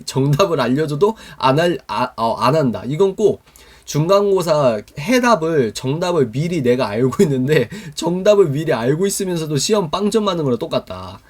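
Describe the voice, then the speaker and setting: This man's voice is a little high with a darkish tone. He's teaching a Christian youth mentoring lesson over a live online stream, putting call-and-response questions to his listeners.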